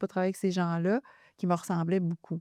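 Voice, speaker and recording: At a very fast pace, a woman speaks at a medium pitch in a dark, mellow, monotone, flat voice, the sound dry and close with no echo. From Quebec, Lac-Saint-Jean. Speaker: former politician and business executive. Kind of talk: podcast interview. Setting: studio. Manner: halting, many fillers.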